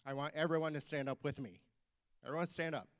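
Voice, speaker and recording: A man's voice: on the high side, steady tone, fast talker, clean tone. A man who is a physician giving an emphatic rally speech inside a state capitol building and urging the audience on. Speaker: physician speaker.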